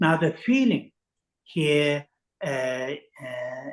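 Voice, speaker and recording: Speaking with a Tibetan accent, a man has a fairly high pitch. His pace is very slow. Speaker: Buddhist teacher. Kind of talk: lecture. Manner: halting.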